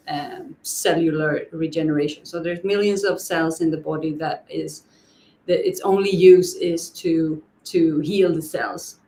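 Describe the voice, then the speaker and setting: Slow-talking woman, lowish voice, hesitant teacher searching for words, echoey room. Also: a little mellow, a little hiss or hum. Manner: hesitant, many fillers and restarts, searching for words. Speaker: co-host of wellness masterclass. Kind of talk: unscripted live teaching talk.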